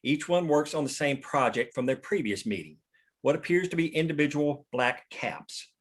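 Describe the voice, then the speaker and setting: A man's voice: a little high, animated, moderate pace, husky. A man reading scripted narration and scene directions at a table read. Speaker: stage-direction reader.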